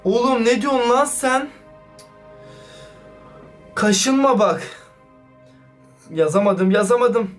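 A man doing excited, casual vlog commentary, slangy and talking straight to his viewers. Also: very high-pitched, slow, long pauses. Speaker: YouTuber reacting to a chat. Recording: distant mic with background music.

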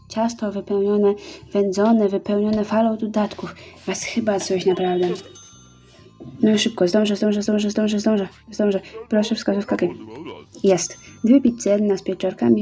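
Mellow-voiced woman chatting through a game. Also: medium pitch. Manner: chatty, reads orders aloud and counts out steps. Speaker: gaming YouTuber. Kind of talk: casual let's-play commentary.

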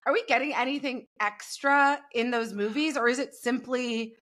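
Young female guest, bright crisp voice, gossipy and chatty, video call from home. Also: a little high, moderate pace. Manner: chatty, gossipy, laughs easily. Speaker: podcast guest. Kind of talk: casual pop culture chat. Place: home room. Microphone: video call with earbuds.

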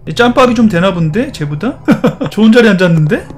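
A man's voice: sits high, animated, fairly quick. A man playing a horror game and commenting, teasing the characters in playful chatter. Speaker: gaming YouTuber.

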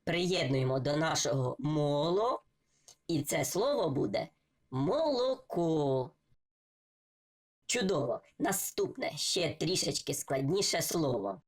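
A woman's voice: sits low, animated, measured pace. A woman giving a patient reading lesson for children, sounding out syllables letter by letter. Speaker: reading teacher.

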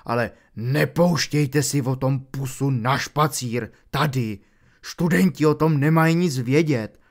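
A man voicing a huge, gruff gamekeeper who speaks slowly and evasively, keeping things secret. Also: medium pitch, lightly acted. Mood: hushed. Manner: slow, hushed, evasive.

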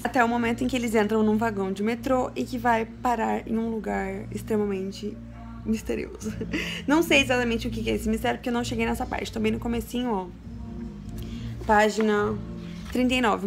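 A young woman from Brazil chatting casually in a reading vlog at home, emotional and quick to laugh. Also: a little high, creaky. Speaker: book vlogger. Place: home, her bedroom.

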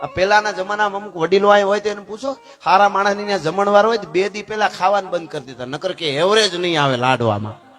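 A man tells a folk tale, lively and joking with his listeners. His voice sits high, and music plays behind him. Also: fast talker. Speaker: folk storyteller. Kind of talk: Gujarati folk storytelling performance.

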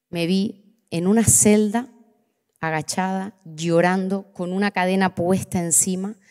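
A woman, preaching and giving her testimony, impassioned, slowing down on key words for emphasis. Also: medium pitch, darkish tone. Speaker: preacher leading a church workshop. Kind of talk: sermon with personal testimony. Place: church hall. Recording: long reverberant church hall.

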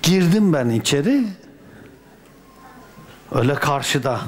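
A man from Turkey, a dervish, telling a personal anecdote in a colloquial, lively way with folk sayings. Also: fairly high pitch, slow pace, slight background noise. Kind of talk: casual spoken anecdote.

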